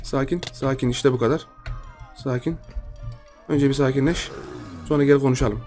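A man's voice: mid-range voice, fairly even intonation, moderate pace, darkish tone, soft background music. A young man with a Turkish accent giving playful, teasing live commentary over his own gameplay, often repeating his phrases. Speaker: gaming YouTuber.

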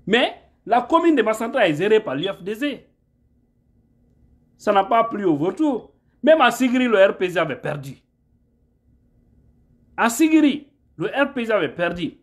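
A man's voice: high-pitched, sing-song, moderate pace, pauses often. A man, giving an impassioned political monologue to a phone camera at home, emphatic and rhetorical, often asking "hein?". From Guinea. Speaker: political commentator. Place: indoor room at home. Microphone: phone camera held at arm's length.

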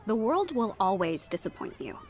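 An actress playing an earnest Christian woman gently counseling someone in a radio drama. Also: medium pitch, huge pitch swings, normal speed. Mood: earnest, reassuring.

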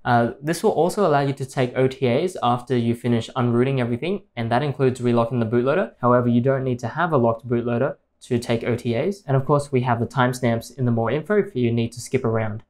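A man hosting a tech tutorial, calmly explaining each step in a screen-recorded voice-over. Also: medium pitch, quick pace, hardly any pauses.

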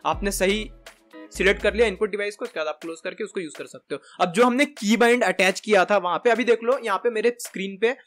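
A man, giving a casual, chatty software tutorial for gamers. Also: high-pitched, fast talker. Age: 20s. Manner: informal, chatty, Hindi mixed with English tech words. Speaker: video tutorial presenter. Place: indoor room at a gaming chair, voice over screen capture. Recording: music behind the voice.

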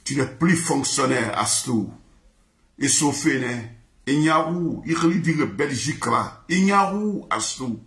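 A man's voice: mid-range voice, expressive, slow, fairly bright tone. A man singing in a repetitive, chanted, sing-song way. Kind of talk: chanted song in mixed languages. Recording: echoey room.

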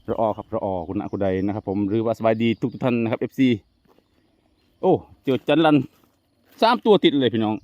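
A man's voice: on the low side, expressive, fairly quick, darkish tone, no room sound. A chatty man talks viewers through a casual fishing vlog in the countryside. The sound is dry and a little muffled, as if from a lo-fi mic outdoors, with animals heard behind him. He laughs easily and calls his viewers brothers and sisters. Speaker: vlogger. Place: outdoors in rural fields.

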